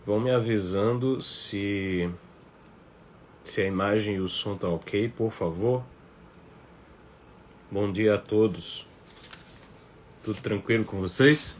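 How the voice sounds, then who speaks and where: A man's voice: fairly low pitch, slow, pauses often. A man with a northeastern Brazilian accent talking informally to viewers as he hosts a live online class, conversational and fond of tag questions. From Paraíba, northeastern Brazil. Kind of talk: informal livestream talk to viewers. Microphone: phone on a stand. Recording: noticeable background noise, phone livestream.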